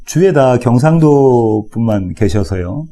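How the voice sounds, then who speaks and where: A man from South Korea, a pastor giving an expository sermon in a relaxed, conversational way with touches of humor. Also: mid-range voice, a little slow.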